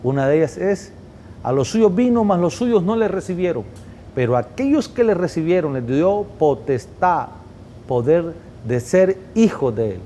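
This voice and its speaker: A man's voice: on the high side, very animated, normal speed, mellow, slight background noise. A man hosting a Christian television program, speaking with a fervent, repetitive preacher cadence.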